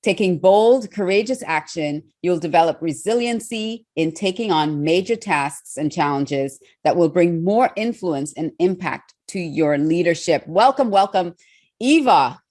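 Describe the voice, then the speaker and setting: A woman's voice: on the low side, animated, unhurried, a little mellow. A woman from Trinidad with a Trinidadian accent, hosting a podcast interview with enthusiastic, emphatic delivery. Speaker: podcast host.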